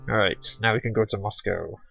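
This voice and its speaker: A man's voice: on the low side, fairly even intonation, brisk, creaky, fairly bright tone, dull audio, faint music behind. A man giving casual, chatty commentary while streaming a game, with sarcastic asides.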